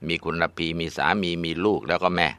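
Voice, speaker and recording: Bright-voiced male ghost storyteller. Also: sits low, flat delivery, fast talker, clean tone, dry recording. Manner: casual, conversational storytelling.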